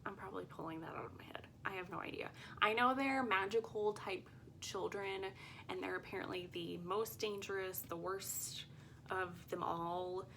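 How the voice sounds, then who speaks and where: A woman's voice: mid-range voice, normal speed, gravelly, pushed and bright, slight background noise. A woman book vlogger talking casually to viewers in a chatty, rambling and often unsure way.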